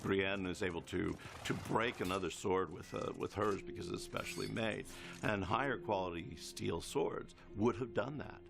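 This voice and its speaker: A man's voice: low-pitched, moderate pace, gravelly. A man giving informal interview commentary as a history expert in a documentary. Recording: loud music bed behind voice.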